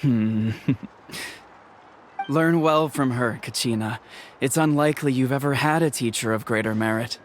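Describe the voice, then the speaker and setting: An actor playing a calm, dignified, protective tribal chief in a video game, speaking in a measured, formal way. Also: male voice, mid-range voice, a little hiss or hum, close to an everyday voice.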